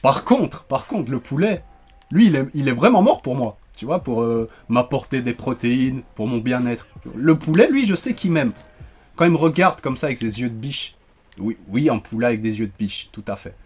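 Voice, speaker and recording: Animated man commentating his gameplay. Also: mid-range voice, slightly rough. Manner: animated, joking, quick to rant when frustrated. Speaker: gaming YouTuber.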